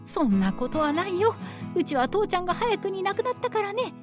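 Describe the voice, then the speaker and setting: A woman voicing a soft-hearted, worried old village mother who frets and scolds tenderly. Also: very high-pitched, very animated, brisk, music in the background. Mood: pleading. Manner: fretful, scolding yet tender.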